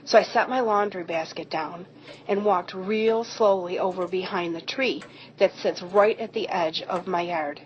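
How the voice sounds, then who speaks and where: A woman's voice: medium pitch, close to an everyday voice. Folksy country woman played by an actress, muffled recording. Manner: folksy, descriptive storytelling. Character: friendly rural woman eyewitness recounting a Bigfoot sighting. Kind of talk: amateur audio drama acting. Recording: muffled, noisy home recording.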